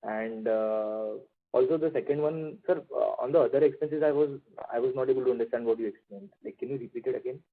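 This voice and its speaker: Man, polite hesitant analyst, average pitch, tinny telephone sound. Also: brisk. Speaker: analyst asking questions. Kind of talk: earnings call questions. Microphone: phone. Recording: narrowband phone line.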